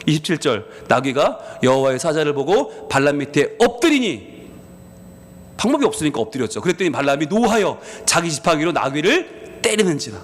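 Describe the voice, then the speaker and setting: A man's voice: a little high, sing-song, a little fast. A male pastor preaching a sermon, telling the story with animation and asking the congregation questions, in a church. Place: church sanctuary. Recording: long hall reverb.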